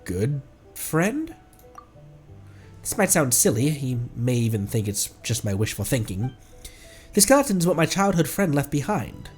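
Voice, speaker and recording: Guy voicing a shy awkward game character, soft and hesitant, kinda wistful, music faintly behind. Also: mid-range voice, very animated, unhurried, long pauses, pitched below the performer's own voice. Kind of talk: reading game dialogue aloud.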